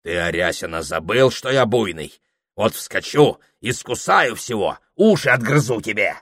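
A man's voice: on the low side, expressive, moderate pace, a bit bright, exaggerated voice. A man voicing a frantic bearded drunk, hissing and shrieking. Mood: muttering. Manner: hoarse, hissing, then panicked shrieks.

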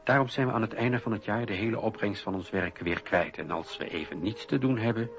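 An actor playing a weary, indignant old French philosopher in a radio play, declaiming in a deliberate, rhetorical way. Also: male voice, lowish voice, lo-fi sound, natural voice. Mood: indignant, grave. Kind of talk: radio drama monologue, declaimed.

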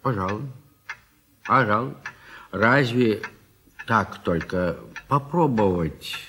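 An actor playing a gentle, playful old country squire in a radio play, halting and humming to himself. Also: male voice, on the low side, expressive, heavily acted. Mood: mild, hesitant. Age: older. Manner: slow, halting, murmuring hums to himself. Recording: husky 1970s mono studio recording.

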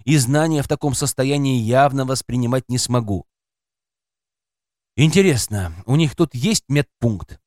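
A man's voice: medium pitch, measured pace, a little mellow, dry recording, studio quality. A man reading an audiobook aloud as scripted first-person narration, expressively voicing a woman narrator's inner thoughts.

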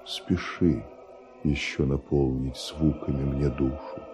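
An actor playing a brooding, envious, tormented composer, speaking verse gravely and deliberately in a classic Russian radio drama. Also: male voice, rumbling low, little pitch movement, warm tone, soft background music. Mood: anguished relief. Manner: grave, weighty, deliberate theatrical delivery.

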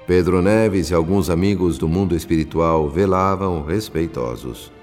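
An actor playing a grave, compassionate spirit narrator, telling a radio drama in a solemn, literary manner. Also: male voice, low-pitched, normal speed, a little mellow, soft background music, lightly acted. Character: grave, compassionate male spirit narrator recounting his work.

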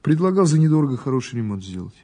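Police investigator guy, husky, dry and terse, keeps pressing, radio drama. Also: mid-range voice, big pitch swings, rapid-fire, mellow. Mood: wry, firm. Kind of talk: Russian audio drama acting.

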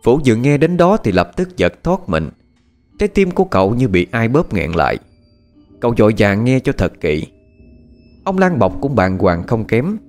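A man narrating a dramatic story in an expressive, measured voice. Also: mid-range voice. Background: faint background music.

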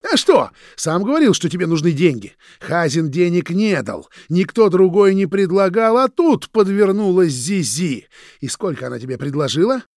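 A man voicing a hot-tempered young man who shouts in a strained, raised voice, in an audiobook. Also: on the high side, expressive, unhurried, no room sound, studio quality, pitched above the performer's own voice. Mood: bitter. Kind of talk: audiobook character voice.

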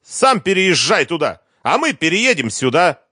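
A man's voice: fairly high pitch, big pitch swings, moderate pace, pushed and bright, no echo, studio quality, voice pushed up, full character voice. A male audiobook reader voicing a furious, grasping ex-wife who screams accusations. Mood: screaming fury. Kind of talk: audiobook character voice.

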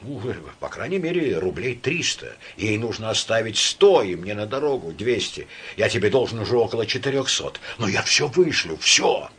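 A man's voice: on the low side, big pitch swings, moderate pace, hardly any pauses, fairly bright tone, slightly rough, heavily acted. A man reading an audiobook voices a desperate young official who pleads in a trembling voice. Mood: desperate, pleading.

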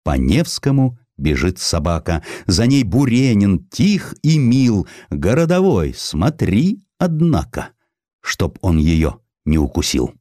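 A witty, hard-drinking poet, acted by a male narrator declaims sardonic epigrams in an audiobook. The voice is low and mellow, with pointed phrasing and lively swings. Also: takes it slowly, no room sound, clean studio sound, exaggerated voice. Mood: mocking.

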